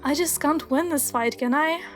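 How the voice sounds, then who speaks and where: A woman's voice: high-pitched, normal speed, faint music behind. A young woman whose first language is Russian, narrating a scripted video essay in an earnest, wry, explanatory way. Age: young adult.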